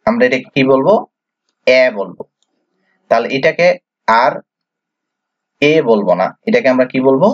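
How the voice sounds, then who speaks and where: A man's voice: mid-range voice, lively intonation, normal speed, long pauses, no echo. A man from Bangladesh teaching English reading, sounding out letters one by one and patiently asking and answering his own questions. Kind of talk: classroom lesson, spelling out letters. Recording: dull, dry, lo-fi sound.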